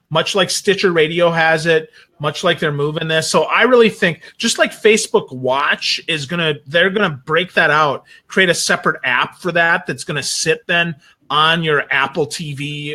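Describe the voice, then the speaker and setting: A man with a fairly high-pitched, very bright and forceful voice speaks as a guest on a casual talk show. He is conversational and opinionated, landing his points with emphasis. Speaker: guest commentator on social media marketing.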